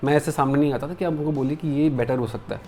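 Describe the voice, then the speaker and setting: A man's voice: fairly high pitch, quick pace, a little mellow, faint music behind. A man being interviewed as a comics publisher and letterer, speaking candidly and reflectively and mixing English phrases into his speech. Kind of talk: casual interview conversation.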